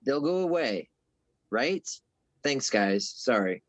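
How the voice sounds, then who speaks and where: Noncommittal young boyfriend, read by an actor, terse delivery, middling pitch, dull lo-fi recording. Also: male voice, sing-song, takes it slowly. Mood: brisk, appeasing. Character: guarded, noncommittal young man, irritable boyfriend. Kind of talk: dramatic table read. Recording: dull, muffled remote-call audio.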